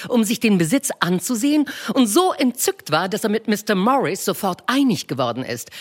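A woman voicing an excitable, pushy middle-aged mother and wife during a literary reading, her voice pitched high, shrill and insistent. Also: slightly rough.

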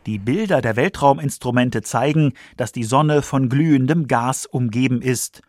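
A man's voice: mid-range voice, moderate pace, darkish tone. A man reading scripted science documentary narration for a radio feature.

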